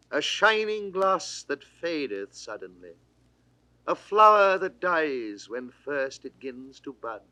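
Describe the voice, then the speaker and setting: A man's voice: fairly high pitch, sharp tone, no room sound, low-quality recording. An older man reading classical verse in a declamatory style, lingering on words and swooping up and down. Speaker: poetry reader. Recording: dry 1960s studio recording.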